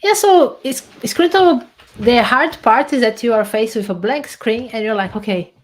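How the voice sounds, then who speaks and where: Animated woman guest explaining a demo. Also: a little high, normal speed. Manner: animated, explains while clicking through a screen demo, many restarts. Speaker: guest researcher and software developer. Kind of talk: casual interview and screen demo.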